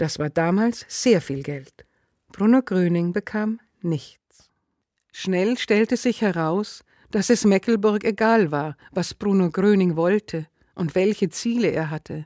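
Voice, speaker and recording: On a very clean recording with a silent background and a dry, close sound with no echo, a woman speaks very slowly at a medium pitch, her tone dark and mellow with ordinary pitch variation. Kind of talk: audiobook narration. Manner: steady, measured, formal storyteller's delivery.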